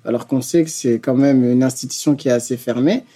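A man's voice: mid-range voice, brisk, warm tone, faint music behind. A man hosting a podcast, reading a scripted intro and then chatting casually with a guest. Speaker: podcast host. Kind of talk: podcast interview.

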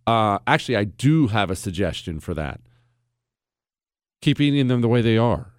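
A man's voice: on the low side, lively intonation, moderate pace, no echo, clean studio sound. A man hosting a political talk show, delivering a mocking, jokey monologue with self-admiring asides. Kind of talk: sarcastic monologue.

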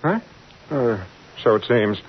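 Husky, flustered married man. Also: medium pitch, animated, slow pace. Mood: indignant. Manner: hesitant, stammering, sputtering. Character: flustered, besotted married man, evasive and indignant. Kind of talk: old-time radio drama acting. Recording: muffled vintage radio recording.

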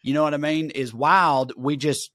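A man's voice: fairly high pitch, fairly even intonation, normal speed, fairly bright tone, no echo, clean studio sound. Laid-back man chatting on a podcast. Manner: laid-back, casual, swears lightly. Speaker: podcast co-host. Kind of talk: casual chat. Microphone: remote recording.

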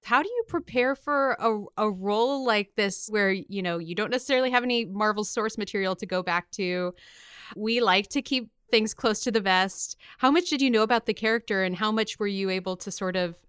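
A woman's voice: mid-range voice, a little fast, fairly bright tone, clean tone, no room sound, clean studio sound. A woman hosting a podcast, asking interview questions in a conversational style.

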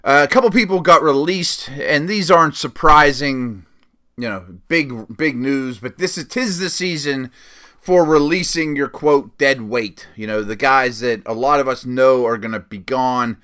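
A man's voice: mid-range voice, unhurried, bright, forceful tone. Sniffly man chatting football. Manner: rambling, lots of fillers and restarts. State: sniffly, stuffed up. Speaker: football podcast host. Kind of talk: casual solo sports commentary.

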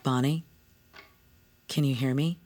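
An actor playing a calm psychiatric doctor, questioning a patient gently and clinically. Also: medium pitch, slow. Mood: gentle.

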